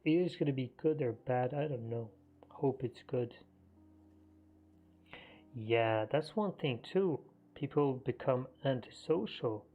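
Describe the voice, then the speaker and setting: Man on a tinny phone-like line. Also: medium pitch. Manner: halting, many fillers and restarts. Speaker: live trading stream host. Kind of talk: casual chat.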